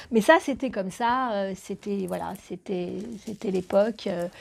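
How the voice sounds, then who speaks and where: Against noticeable background noise, a woman keeps her intonation fairly even. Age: 60s. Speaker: vlogger. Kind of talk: casual storytelling vlog. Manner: hesitant, many fillers.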